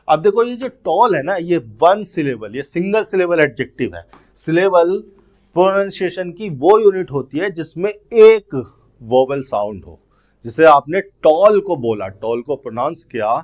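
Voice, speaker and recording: A man with a mid-range voice teaches English grammar for exam preparation, explaining things step by step. He reads the English questions aloud slowly.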